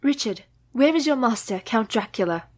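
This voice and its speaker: An actress playing an earnest young married woman who questions a madman gently and steadily. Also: on the high side, animated, moderate pace.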